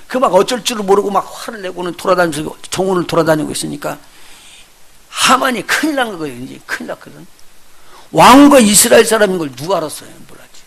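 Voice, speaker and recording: A male pastor preaching a sermon, telling the story with lively, acted-out voices and putting questions straight to his congregation. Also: high-pitched, fast talker, creaky. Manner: lively storytelling, acts out the characters he retells; addresses the congregation directly with questions.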